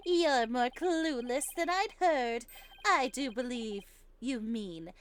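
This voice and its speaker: A woman's voice: high-pitched, lively intonation, slow pace, smooth. A woman voicing a smug, sneering male prosecutor with a condescending, theatrical delivery in a video game read-aloud. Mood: smug, mocking.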